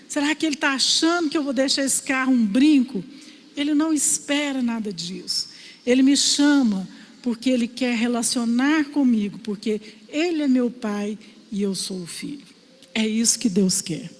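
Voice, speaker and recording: A woman from Brazil preaching a sermon, telling stories in a lively storyteller's way. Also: high-pitched. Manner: storytelling, animated voices for quoted father. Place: church hall. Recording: reverberant church hall.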